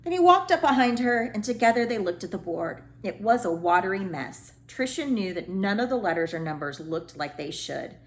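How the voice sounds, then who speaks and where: Animated woman reading a children's storybook. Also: medium pitch, moderate pace, hardly any pauses. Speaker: children's read-aloud storyteller, librarian. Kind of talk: expressive scripted storybook narration.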